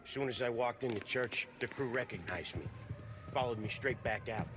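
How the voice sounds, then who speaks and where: An actor playing an unflappable, hard-bitten American gangster in a naturalistic video game style. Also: male voice, medium pitch, normal speed, music in the background, close to an everyday voice. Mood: urgent. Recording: very noisy street and car ambience.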